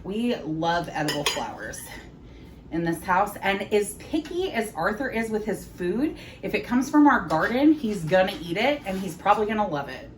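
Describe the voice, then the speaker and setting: A woman in her thirties chatting casually in her home kitchen as she tastes her food, often pausing to savor it with soft hums. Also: medium pitch, very animated, a little hiss or hum, poor audio. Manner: chatty, savoring bites with frequent mm sounds. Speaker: home cooking vlogger. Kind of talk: casual chat while tasting food.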